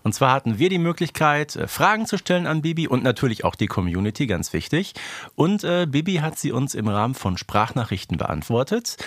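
A man's voice: medium pitch, no echo. A man of about forty chatting casually as a podcast co-host in a studio. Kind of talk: casual chat.

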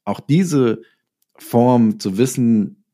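A man's voice: medium pitch, drawn-out words, warm tone. A man explaining his craft as a writer in a casual interview, using worked examples. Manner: explains with hypothetical examples and acted-out quotes. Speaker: interviewed writer and audio drama maker.

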